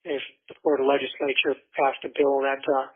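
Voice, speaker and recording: A man chatting casually and haltingly over a prison phone line. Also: mid-range voice, flat delivery, breathy edge. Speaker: jail inmate on a phone call. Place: jail phone in a pod. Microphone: telephone handset.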